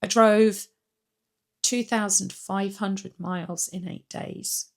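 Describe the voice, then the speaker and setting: Woman, middle-aged, croaky with a cold, gravelly, rambling casual vlog chat. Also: medium pitch, steady tone, takes it slowly. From Britain. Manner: rambling, chatty, frequent ums and restarts. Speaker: weight-loss vlogger. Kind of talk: casual chatty vlog update.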